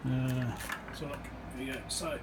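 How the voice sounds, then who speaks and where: A man's voice: medium pitch, level tone, a little slow, background noise. A man with a New Zealand accent giving a casual, unscripted, matter-of-fact walkthrough as he works at an indoor bench. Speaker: electronics repairer presenting his work. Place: indoor workbench.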